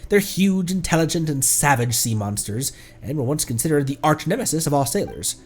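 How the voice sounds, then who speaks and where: A man voicing an earnest young male scholar in training, reading the game lines in a measured, explanatory way. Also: on the high side, big pitch swings, a little mellow, slightly rough, soft background music. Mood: explaining.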